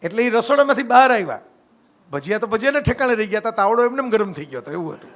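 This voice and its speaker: Racing along with big pitch swings, a middle-aged man from Gujarat, India, speaks in a high-pitched, fairly bright voice. His talk is a conversational, story-driven lecture with reflection, and he repeatedly checks in by asking the audience "right?"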